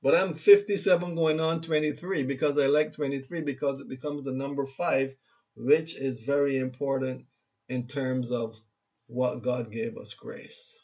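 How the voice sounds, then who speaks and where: A man's voice: medium pitch, steady tone, normal speed, a little mellow. Earnest Barbadian man in his fifties. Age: 50s. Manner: earnest, exhorting, repeats himself for emphasis. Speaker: motivational speaker and radio host. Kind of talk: motivational talk. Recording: muffled lo-fi recording.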